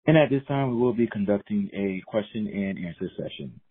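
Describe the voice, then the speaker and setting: A man's voice: lowish voice, expressive, brisk, breathy edge. A man working as a conference call operator, reading scripted instructions in a formal, procedural way. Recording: muffled narrowband phone line.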